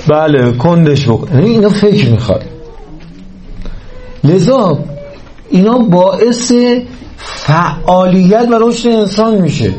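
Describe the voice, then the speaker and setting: Male preacher, somewhat high voice, mellow tone, earnest lecturing to a hall audience, faint background noise. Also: expressive, long pauses. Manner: earnest, checks in with listeners through rhetorical questions. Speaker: religious lecturer. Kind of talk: religious lecture on parenting.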